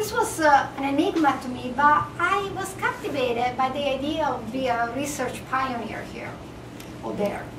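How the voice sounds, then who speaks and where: With a strong Italian accent and lively intonation, a woman speaks amid noticeable background noise and audible room echo. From Italy. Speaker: marine biologist. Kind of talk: lecture. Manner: hesitant, frequent uh fillers.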